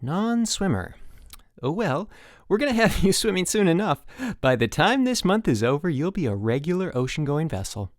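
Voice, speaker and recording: A man voicing a relentlessly cheerful, athletic young swimming coach in an audiobook, with a bright, eager manner. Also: fairly high pitch, sing-song, normal speed, no room sound, clean studio sound, pitched above the performer's own voice. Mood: upbeat, encouraging. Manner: bright, eager, grinning delivery.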